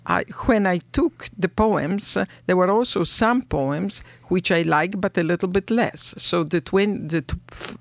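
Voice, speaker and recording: A woman with a Polish accent, a translator talking in a measured, thoughtful way during an interview. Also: on the low side, vocal fry, no echo. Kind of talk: radio interview.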